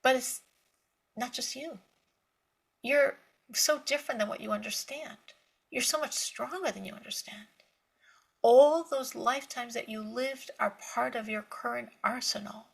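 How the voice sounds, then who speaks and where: Woman teaching a torah class, kinda high voice with a gravelly edge, animated storyteller. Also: a little slow, pauses often. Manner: animated storytelling with emphatic repetition; laughs lightly between points. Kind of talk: spiritual lecture to women.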